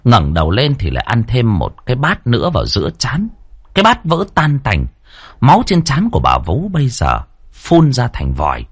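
A man narrates a horror story vividly and expressively, his medium-pitched voice carrying a breathy edge at normal speed. The sound is clean studio audio with no room sound.

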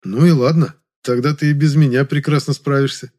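A man's voice: mid-range voice, steady tone, brisk, a little mellow, voice pushed up, lightly acted. A man reading an audiobook, voicing a cool, indifferent teenage boy who talks tersely and matter-of-factly.

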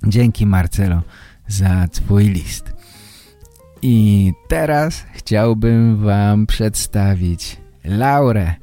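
A man hosting a podcast for language learners, speaking in a deliberate, carefully phrased way. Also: fairly low pitch, expressive, warm tone. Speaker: podcast host. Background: guitar music.

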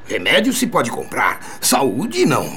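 An actor playing a calm, kindly elderly pharmacist in a radio drama, with a Brazilian accent and a gentle, hesitant, fatherly way of speaking. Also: medium pitch, a little slow, slight background noise, heavily acted. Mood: soothing, caring.

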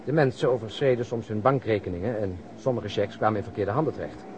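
An actor playing a wry, talkative police detective in a radio play, explaining things at length. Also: male voice, fairly low pitch, fast, lo-fi sound, natural voice. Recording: noisy old radio recording.

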